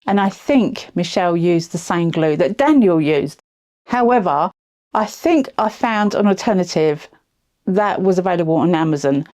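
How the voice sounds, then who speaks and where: A woman with a cold, sounding croaky, chatting her way through a craft tutorial voice-over with friendly little asides. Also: fairly low pitch, warm tone. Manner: chatty, self-deprecating asides. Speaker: resin craft video host.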